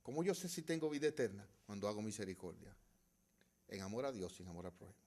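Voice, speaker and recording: A middle-aged male pastor preaching a sermon, swinging between loud, emphatic passages and hushed ones, and asking the congregation rhetorical questions. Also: fairly low pitch, very animated, quick pace.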